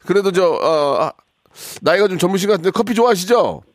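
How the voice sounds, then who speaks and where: A man's voice: sits high, animated, dry recording, studio quality. A man hosting a radio call-in show, teasing and bossing callers in casual banter. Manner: teasing, bossy, quick-talking.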